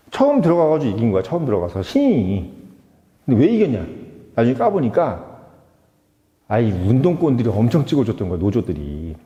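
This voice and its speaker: A man's voice: mid-range voice, warm tone. A man giving casual political commentary, emphatic, firing off rhetorical questions and switching between polite and blunt speech. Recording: dull, roomy echoey sound with long reverb.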